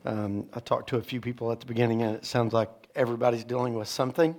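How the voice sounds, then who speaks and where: A man preaching a sermon as associate pastor, slightly raspy from a sore throat, talking conversationally with frequent "right?" asides and restarts. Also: medium pitch, steady tone, fast talker, darkish tone. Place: church sanctuary.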